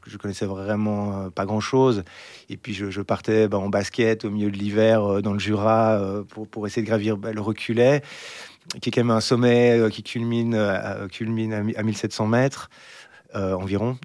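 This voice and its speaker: In a relaxed podcast interview, a thirtysomething man from Belgium who photographs mountains speaks hesitantly, full of fillers and restarts. His voice is lowish at a normal speed, and there's no room sound.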